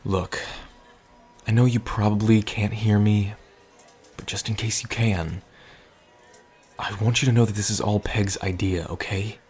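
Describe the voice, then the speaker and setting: A man plays a reluctant sidekick behind the bar in an audio roleplay. He is an awkward, wry man with a fairly low voice and a slow, hesitant delivery. Faint music sits behind him. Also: fairly even intonation, darkish tone, husky. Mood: apologetic. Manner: hesitant, wry, muttering asides. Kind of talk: dramatic audio roleplay acting.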